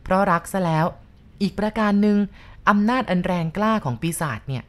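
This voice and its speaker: A woman's voice: medium pitch, lively intonation, fairly quick, lightly acted. A woman reading the part of a stern older man who insistently lectures a younger man about a ghost. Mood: lecturing. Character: stern older male landlord explaining ghost lore.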